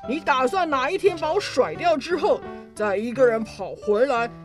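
A woman voicing a hot-tempered male con man who accuses loudly and indignantly. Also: sits high, animated, a little slow. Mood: furious. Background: background music.

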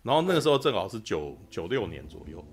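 A man's voice: lowish voice, quick pace, husky. A man, chatting as a podcast co-host and telling stories animatedly. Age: 40s. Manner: animated storyteller, keeps asking "you know?". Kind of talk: casual chat.

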